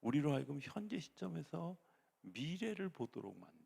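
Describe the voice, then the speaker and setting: Middle-aged male pastor, gravelly and husky, preaching in a big reverberant church. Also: a little high, normal speed. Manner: animated preaching, swings between raised voice and near-whisper. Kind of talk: sermon. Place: church sanctuary.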